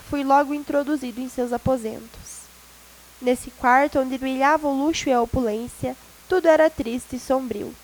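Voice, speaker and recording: A woman narrates a classic novel as an audiobook, measured and expressive in her delivery. Her voice is high and light, and she keeps a steady, literary storytelling tone. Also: low-quality recording. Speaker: audiobook reader.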